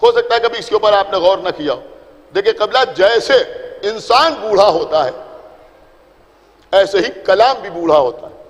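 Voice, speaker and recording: A man's voice: high voice, animated, pauses often. A male preacher with a Lucknow Urdu accent giving a sermon to a seated congregation, explaining things simply, repeating his points and checking that the audience follows. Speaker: Shia preacher addressing a majlis. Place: large imambara hall. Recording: reverberant hall.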